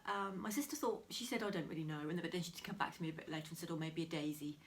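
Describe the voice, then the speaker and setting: A woman talks casually to camera, her voice set a little low and slightly nasal from a cold. She half-whispers, chats softly, and laughs quietly now and then. Faint rain patters behind her. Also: rapid-fire, a little hiss or hum. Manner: soft, chatty, often half-whispered with small laughs. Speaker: crafting vlogger. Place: home room beside a window, heavy rain outside.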